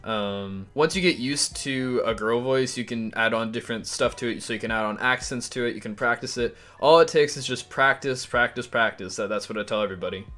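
A man's voice: mid-range voice, fairly quick, hardly any pauses, sharp tone. A man hosting a casual video tutorial, upbeat and talking straight to his viewers. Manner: chatty, upbeat, direct to viewers. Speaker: YouTube host.

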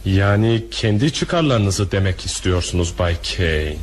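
A man's voice: low voice, animated, unhurried. A man acting a proud, bitter hotel owner with a vengeful streak in a crime radio drama. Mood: bitter, menacing. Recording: faintly noisy radio drama recording.

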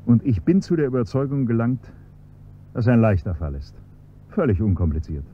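An actor playing a scheming chauffeur who slides from servile politeness into cold, mocking blackmail, on a dull, faintly hissy radio-play recording. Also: male voice, medium pitch, very animated, fairly quick, close to an everyday voice. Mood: menacing. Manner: polite and servile, then coolly mocking and menacing. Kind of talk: 1970s-style German radio play acting.

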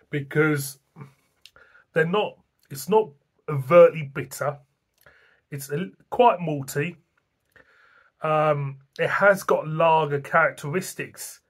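Middle-aged guy rambling about a beer at home, voice on the high side, desk camera close by. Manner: chatty, rambling, plain-spoken. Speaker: beer reviewer. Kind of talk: casual beer-tasting review to camera. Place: small indoor room at home.

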